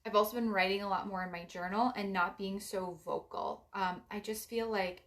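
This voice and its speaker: Young woman w a raspy voice doing a card reading, rambly and soft-spoken, medium pitch. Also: steady tone, normal speed. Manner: meandering, filler-heavy, gentle advice. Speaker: psychic card reader. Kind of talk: casual spiritual card reading to camera.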